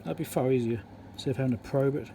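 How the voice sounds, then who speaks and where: A man giving a hands-on electronics repair demonstration, thinking aloud in an informal, halting, step-by-step way. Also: mid-range voice. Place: indoor repair workbench. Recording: steady background hum and room noise.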